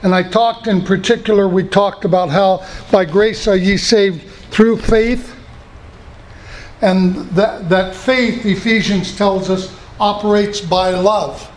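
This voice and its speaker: A man's voice: high voice, fairly even intonation, takes it slowly, a little hiss or hum, poor audio. An older man, a pastor telling stories in a sermon with folksy asides to his congregation.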